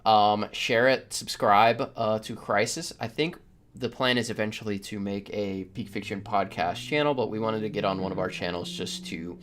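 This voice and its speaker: A man hosting a casual podcast, speaking in a halting, stop-start way. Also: fairly low pitch, fairly even intonation, a bit bright. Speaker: podcast host.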